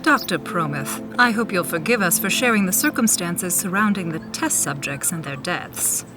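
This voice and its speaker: A woman playing a courteous but controlling government official in an audio drama, with formal, deliberate phrasing. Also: fairly low pitch, animated, over music, natural voice.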